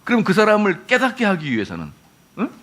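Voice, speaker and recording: Lively high-voiced man preaching. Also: fast talker. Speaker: pastor. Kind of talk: sermon. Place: church.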